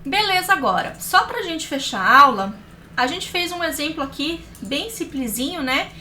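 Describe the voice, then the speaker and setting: Woman, programming instructor, high-pitched and crisp, clear step-by-step screencast delivery. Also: animated, normal speed, pushed and bright, a little hiss or hum. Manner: explains step by step, addresses viewers directly. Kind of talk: screencast coding tutorial.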